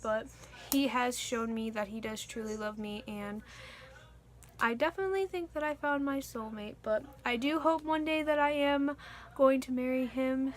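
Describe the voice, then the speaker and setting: Chatty young woman, high voice. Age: young adult. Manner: chatty and earnest, frequent likes and fillers. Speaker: vlogger. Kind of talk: casual Q and A vlog.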